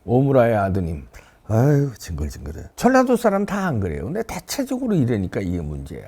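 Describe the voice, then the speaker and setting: A middle-aged man delivers political commentary on his own show with a gravelly, husky voice. He scolds and jabs as he goes, and his pitch leaps up and drops low again and again. He sounds lively and indignant throughout. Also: brisk. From South Korea. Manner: animated, scolding, wide pitch swings.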